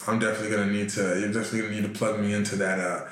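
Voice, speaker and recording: Host: mid-pitched man, upbeat and slangy, in a very echoey room. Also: level tone, racing, fairly bright tone, slight background noise. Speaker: radio host. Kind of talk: casual radio interview.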